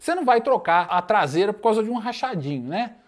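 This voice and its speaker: A man with a Brazilian accent speaks in an animated tone. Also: quiet background. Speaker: tech YouTuber; tech youtuber. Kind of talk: tutorial. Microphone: lapel.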